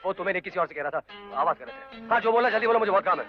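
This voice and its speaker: A man's voice: high-pitched, lively intonation, very fast. An actor playing a brash, teasing young man who runs a dance school, mixing English into his talk. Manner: breezy, teasing, mixes English into speech. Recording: dull old film soundtrack with music.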